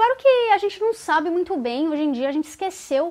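A woman speaks at a very fast pace. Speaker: vlogger. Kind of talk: casual vlog chat. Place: home room. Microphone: lapel.

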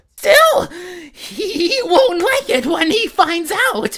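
Extremely high in pitch, this put-on character voice moves very slowly with very wide pitch swings. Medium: dub. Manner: upbeat.

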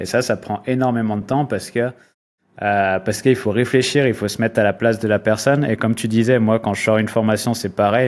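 A man's fairly low-pitched voice in a monotone, flat intonation. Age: 30s. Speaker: podcast host. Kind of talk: casual interview. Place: home room. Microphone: earbuds.

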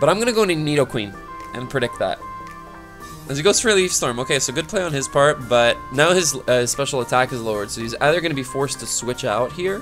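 A man at a medium pitch, talking at a very fast pace with lively intonation, music playing in the background. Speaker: gaming commentator. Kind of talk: live gameplay commentary.

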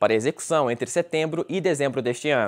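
A man with an ordinary speaking voice talks at a fairly quick pace, his pitch fairly high with ordinary variation. The sound is dry and close with no echo, on a very clean recording with a silent background. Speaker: news presenter. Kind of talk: formal local TV newsreading, scripted. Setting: studio. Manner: formal, measured, even-paced; neutral, steady delivery.

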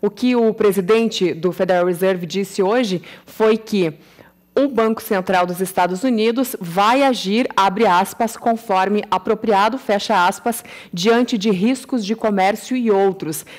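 Speaking with a Brazilian accent, a woman keeps a fairly slow pace and very even loudness. Her pitch varies in an ordinary way over a quiet background. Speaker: market reporter. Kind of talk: news report. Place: studio.

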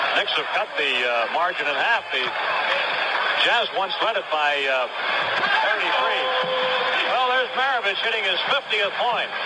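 The man speaks at a fairly slow pace. Loud background noise runs behind him. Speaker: play-by-play announcer. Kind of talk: 1970s live radio-style basketball play-by-play commentary.

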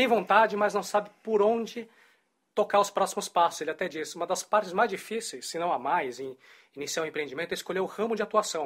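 Man talking at a very fast pace with ordinary pitch variation over a quiet background. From Brazil. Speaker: interviewer and channel host; interviewer, channel host. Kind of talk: interview. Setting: in a taxi. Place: home room.

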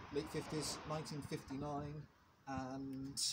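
A man talks at a fairly slow pace, somewhat breathy. Noticeable background noise runs underneath. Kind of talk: casual vlog chat. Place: open country.

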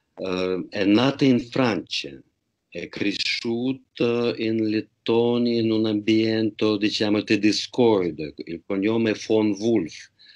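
Against a quiet background, a speaker with a Russian accent talks at a very slow pace with ordinary pitch variation. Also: man, fairly low pitch for a man. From Russia, St Petersburg. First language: Russian (speaking Italian). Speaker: historian; guest. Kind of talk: interview; interview answer. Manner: halting. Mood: calm, reminiscing. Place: home room. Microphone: video call.

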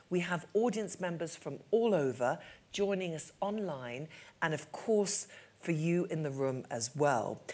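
Her pace is fairly slow. The woman's intonation rises and falls in a lively way. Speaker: panel moderator. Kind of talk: formal moderation introduction. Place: stage. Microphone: lapel.

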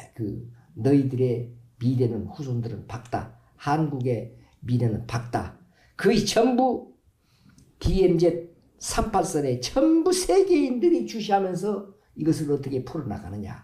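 Somewhat breathy, with a dark, mellow tone, a man speaks at a very slow pace with very wide pitch swings and audible room echo. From South Korea. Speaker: Buddhist monk. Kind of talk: interfaith dialogue. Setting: studio. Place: studio. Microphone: lapel.

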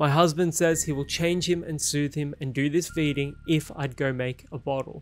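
A man with an Australian accent, a fairly high pitch and fairly even intonation, with music in the background. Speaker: horror story narrator. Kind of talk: horror story narration. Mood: spooky, comic, expressive. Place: home room.

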